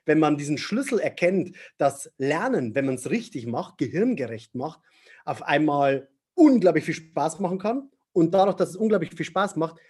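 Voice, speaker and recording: A man being interviewed on a podcast as a memory trainer, animated and enthusiastic, laughing often. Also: on the high side, slightly rough.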